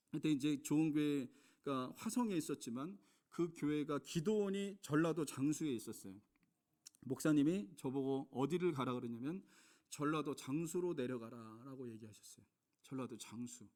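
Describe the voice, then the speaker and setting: A middle-aged man from South Korea, a pastor preaching a sermon, swinging between loud emphatic lines and hushed storytelling and asking the congregation questions. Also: on the high side. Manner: addresses the congregation with rhetorical questions.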